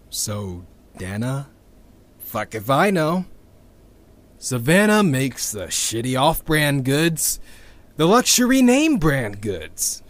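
An actor playing a disillusioned, sweary activist in a sci-fi audio drama, sardonic and halting as he records a confession. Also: mid-range voice. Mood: bitter, sardonic. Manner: sardonic, halting, with sighs and wry laughs. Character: bitter, disillusioned male activist, weary and sweary.

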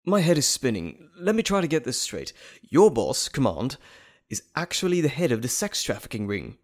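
A man's voice: medium pitch, very animated, normal speed. A man playing an anxious, caring doctor in an audio drama, earnest and soothing. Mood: flustered, insistent.

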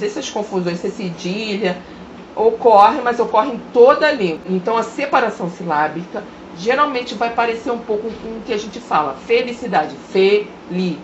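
A woman teaching a grammar lesson, sounding out example words slowly and deliberately. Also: medium pitch. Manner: slow, drawn-out pronunciation of example words. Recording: roomy, dull lo-fi recording with faint hiss.

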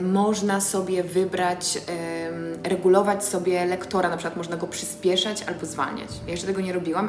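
A young woman vlogging to her phone camera from her living room, chatty and enthusiastic, with plenty of filler sounds. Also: on the low side. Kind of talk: casual vlog chat to camera. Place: bright living room at home. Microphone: phone camera on a tripod nearby. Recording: roomy echo with music behind.

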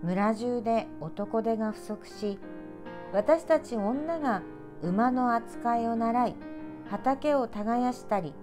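Middle-aged woman announcer with measured diction. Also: on the high side, over music. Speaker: TV announcer and presenter reading to children. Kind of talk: children's presenting and picture-book read-aloud. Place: small indoor room with sofa.

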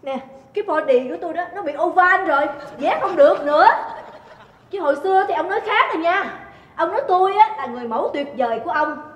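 A woman's voice: expressive, fast. An actress with a Southern Vietnamese accent playing a middle-aged jealous wife who scolds and mocks her husband in a stage comedy. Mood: scolding. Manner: shrill, scolding, sarcastic. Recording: roomy stage hall, faint noise.

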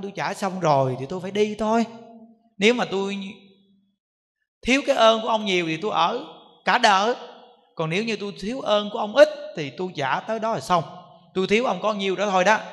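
Brief: monk doing a mild dutiful ghost son, high voice, reverberant hall. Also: male voice, fairly bright tone. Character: gentle dutiful young male ghost son.

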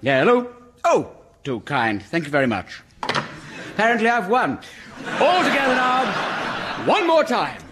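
An actor playing a smug, scheming laird in a radio comedy. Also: male voice, high-pitched, wildly swooping pitch, a little slow, long pauses, very noisy, heavily acted. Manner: smug, showboating.

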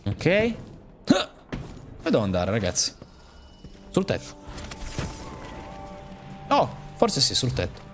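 Giocatore animato, voce molto espressiva. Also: male voice, medium pitch, slow, pauses often, faint music behind. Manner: animated, jokey, talks to the game characters. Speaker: gaming YouTuber. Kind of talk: excited gameplay commentary.

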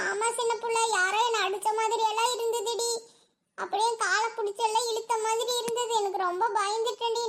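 A woman's voice: very high voice, fairly bright tone. A woman voicing a frightened, bossy elder sister in a village cartoon. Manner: scolding, panicky, calls everyone "di". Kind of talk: cartoon voice acting.

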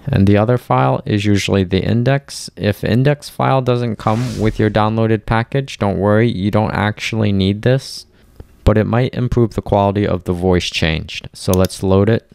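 Male tutorial narrator, smooth and fairly low, plain instructional delivery for software walkthroughs. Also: fairly even intonation, moderate pace. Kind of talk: step-by-step software tutorial voice-over.

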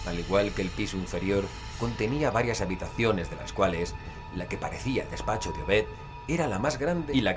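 Low-voiced horror investigator. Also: male voice. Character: male investigator narrating a horror tale, skeptical. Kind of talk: dramatic audio-fiction narration and dialogue.

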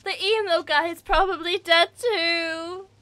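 A woman with a high, bright, clear voice, talking in an unhurried way between sudden excitable yelps and laughs. She comments on a video game as she plays it live on stream. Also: no room sound.

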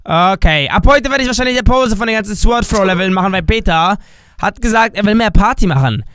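Young male gaming YouTuber, high, smooth voice, dry from a cold, jokey let's-play commentary. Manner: excitable, jokey, switches between shouts and drawn-out slow words.

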